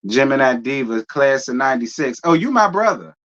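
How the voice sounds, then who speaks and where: A man's voice: medium pitch, sing-song, fairly quick, a bit bright, lo-fi sound. A man in his thirties hosting a casual live stream, reading viewer comments and answering with a sassy, drawling manner and frequent laughter. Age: 30s. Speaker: host reading live chat.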